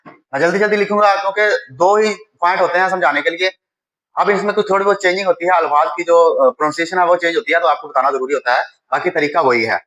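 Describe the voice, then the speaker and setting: A high, bright man's voice with a Pakistani Urdu accent, explaining a Japanese writing lesson step by step. He talks patiently, like a teacher at a whiteboard. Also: quick pace, poor audio.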